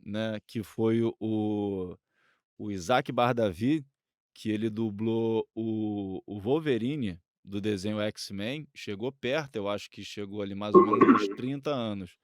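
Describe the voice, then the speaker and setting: A man's voice: fairly low pitch, measured pace, dry recording, studio quality. A man with a Brazilian accent co-hosting a casual discussion, hesitantly restarting his phrases. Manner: hesitant, repeats phrase starts.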